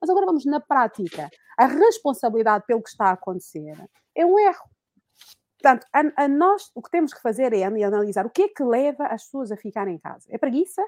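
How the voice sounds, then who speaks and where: The speech moves at a fairly quick pace with very wide pitch swings and big jumps in loudness, recorded dry and close with no echo. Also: woman, high pitch for a woman. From Angola, Luanda. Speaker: politician, party founder. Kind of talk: interview.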